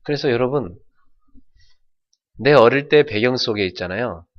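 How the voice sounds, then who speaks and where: Animated Korean pastor preaching a sermon. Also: male voice, medium pitch, normal speed, muffled recording. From North Jeolla, South Korea. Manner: animated, folksy storytelling with shouted imitations.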